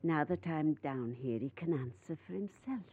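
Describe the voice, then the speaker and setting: An American actress playing an eccentric, imperious old lady, brisk and insistent, in 1940s radio style. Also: sits low, animated, husky, exaggerated voice. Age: older. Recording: noisy, tinny old radio recording.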